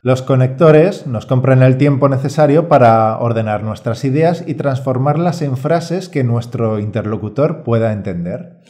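Presenting a Spanish course, this teacher and podcast co-host sounds calm and reassuring as he reads from a script. His voice is medium in pitch with a moderate pace.

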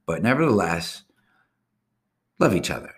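Very deep-voiced boastful man. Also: big pitch swings, measured pace. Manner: boastful, crude, rambling. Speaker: podcast host. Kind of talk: casual solo podcast monologue.

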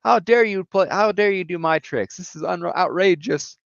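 A man voicing a sneering, indignant male super-villain from a comic book, shrill and mocking. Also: moderate pace, gravelly, no room sound, highs cut off. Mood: mocking outrage.

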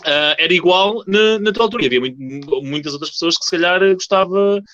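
A man with a European Portuguese accent chatting casually, halting and repeating words with many fillers. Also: sits high, fairly bright tone, no echo, muffled recording. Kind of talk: casual podcast chat.

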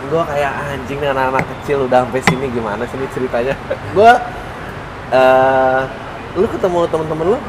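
A man interviewing a musician in casual slang, chatty and quick to laugh. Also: mid-range voice. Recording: outdoor recording with traffic noise.

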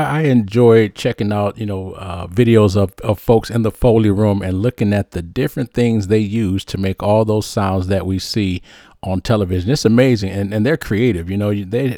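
A man's voice: on the low side, dark tone, no room sound, studio quality. A man hosting a show, reading viewer questions and chatting in an upbeat, casual way with frequent restarts. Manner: upbeat, many restarts and fillers. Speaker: host.

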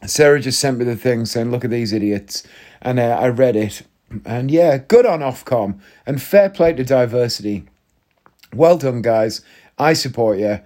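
Chatty man, mellow voice. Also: on the high side. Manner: chatty, blunt and jokey; rambling, with fillers and restarts. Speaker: podcast host. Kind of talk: casual chat monologue.

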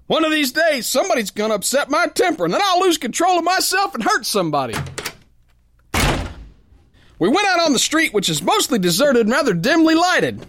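A man's voice: very high-pitched, sing-song, a little fast, fairly bright tone, heavily acted. A man playing a big, boastful, gullible boxer who tells his tale in slangy, ungrammatical tough-guy talk for a pulp radio play. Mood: indignant, blustering, then narrating. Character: big brawling boastful soft-hearted gullible male boxer, slangy narrator.

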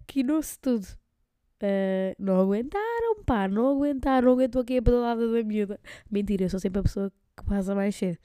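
A woman's voice: fairly high pitch, warm tone, clean tone, dry recording, studio quality. A young woman with a European Portuguese accent telling stories on her solo podcast, rambling and slangy, often laughing. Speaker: podcast host.

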